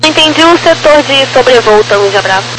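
A woman's voice: high-pitched, expressive, fairly quick. A Brazilian woman working as an air traffic controller, giving clipped procedural instructions digit by digit over crackly aviation radio. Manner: procedural, reading figures digit by digit.

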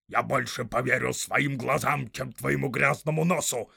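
A man voicing a huge, brutal male orc warrior who shouts threats loudly and menacingly. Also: medium pitch, fairly even intonation, normal speed, vocal fry, slightly rough, full character voice.

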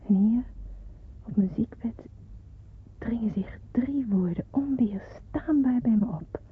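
An actress playing a devout, earnest young Jewish daughter in a radio drama, speaking in a solemn, measured, breathy way. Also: female voice, fairly high pitch, a little hiss or hum. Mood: reflective, earnest. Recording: muffled, phone-like old radio play recording.

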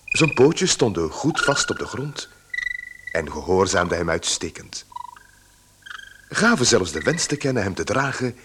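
An actor playing a composed storyteller, giving scripted literary narration in a radio drama. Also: male voice, fairly low pitch, big pitch swings, unhurried, pauses often. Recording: clear background noise.

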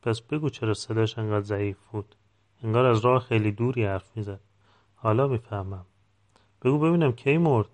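A man's voice: on the low side, darkish tone, lightly acted. A man voicing a welcoming, matter-of-fact old village woman in an audiobook reading.

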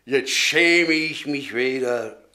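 An actor in a radio play voicing a huge, fervent Christian who preaches solemnly and emphatically while holding back a violent temper. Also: male voice, medium pitch, slow pace, pushed and bright. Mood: restrained, solemn.

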